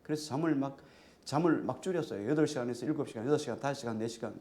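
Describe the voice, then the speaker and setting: A man's voice: medium pitch, racing, a little mellow. A male pastor giving a sermon in a conversational way, often putting questions to the congregation.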